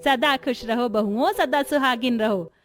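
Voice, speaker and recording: A firm, dignified middle-aged mother-in-law, voiced by a woman in a story video. Her voice sits a little high and speaks with plain authority. Faint music plays behind her. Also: a little slow, close to an everyday voice. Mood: determined.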